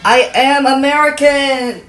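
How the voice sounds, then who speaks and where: A woman's voice: sits high, steady tone, slow, fairly bright tone, faint music behind. A woman playing an earnest, pleading Japanese American male game show contestant in a satirical theater piece. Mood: indignant, heartfelt. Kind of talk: satirical readers theater performance.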